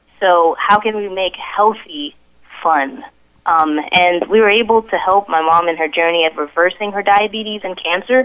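With an American accent, a woman at a medium pitch talks at a moderate pace with ordinary pitch variation, and noticeable background noise is present. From Texas. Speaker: wellness coach. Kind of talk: radio interview. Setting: phone call.

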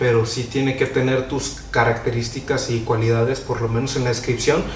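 A man talks with a Mexican accent. Audible room echo and noticeable background noise come through. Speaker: dating app advice co-host. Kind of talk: casual chat.

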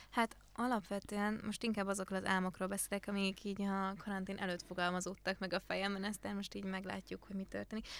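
A woman speaks at a very fast pace with hardly any pauses. Her medium-pitched delivery is monotone, with flat intonation. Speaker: photographer. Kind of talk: casual chat. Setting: studio.

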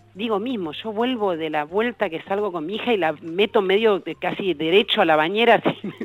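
A woman with an unremarkable speaking voice talks at a moderate pace with ordinary pitch variation and hardly any pauses. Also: medium pitch for a woman. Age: 40s. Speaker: government official. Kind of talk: radio interview.

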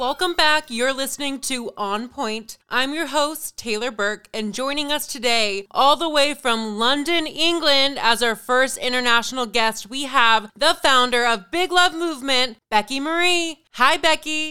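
A woman's high-pitched, raised and projected voice, bright and sharp in tone, at a fairly slow pace with hardly any pauses. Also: ordinary pitch variation. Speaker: podcast host. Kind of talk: interview, casual chat.

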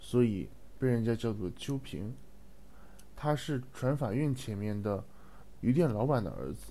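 Amid audible room echo, a man with a dark, mellow tone and a medium pitch speaks very slowly with lively intonation. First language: Chinese (speaking Japanese). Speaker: Japanese learner in reading group. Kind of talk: reading aloud; casual discussion. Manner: halting.

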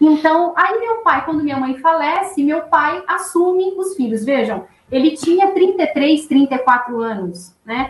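With lively intonation and a high pitch, a woman speaks at a very slow pace with hardly any pauses. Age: 30s. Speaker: psychologist and coach. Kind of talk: interview.

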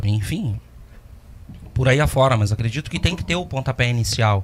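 Lively intonation marks this somewhat breathy man's voice. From Alvorada, Rio Grande do Sul, Brazil. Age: 40s. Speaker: local community member. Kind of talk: casual chat. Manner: halting.

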